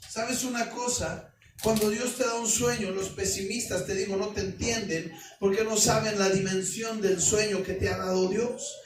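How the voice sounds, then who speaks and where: Mexican pastor preaching in an echoey hall. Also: male voice, sits high, slight background noise. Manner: lively storytelling with colloquial asides and rhetorical questions. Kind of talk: sermon. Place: church hall. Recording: echoey church hall, mic at a distance.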